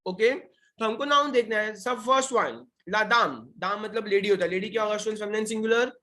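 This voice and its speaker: A man's voice: high-pitched, a little fast, bright, forceful tone. A young man with an Indian accent teaching a French revision class, quizzing students and repeating key points. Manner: questioning, repeats key points, mixes Hindi and English. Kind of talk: online revision lesson.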